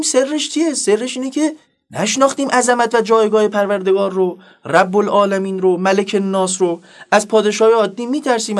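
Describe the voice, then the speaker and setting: A male preacher giving a sermon, formal and earnest, moving between strong emphasis and soft, quiet asides. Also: high voice.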